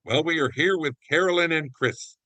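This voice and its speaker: A man's voice: on the high side, normal speed, bright, forceful tone, dry recording, poor audio. A man presenting a show in a scripted, announcer-like introduction. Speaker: presenter and guest actor.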